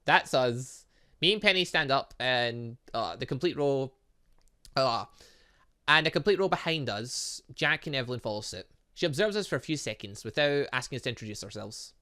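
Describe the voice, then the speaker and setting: A man doing casual, rambling and excitable commentary as he plays a story game and reads its text aloud. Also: mid-range voice, moderate pace. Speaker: gaming channel host.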